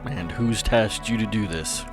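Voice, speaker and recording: Low-voiced man playing a tabletop game. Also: unhurried, soft background music. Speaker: tabletop roleplay player. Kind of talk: casual improvised roleplay chat.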